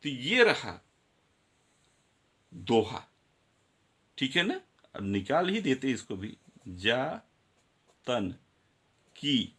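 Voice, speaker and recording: A man's voice: mid-range voice, big pitch swings, extremely slow, pauses often, bright, forceful tone, breathy edge. A male teacher giving a grammar lesson, counting syllables aloud and speaking directly to his students.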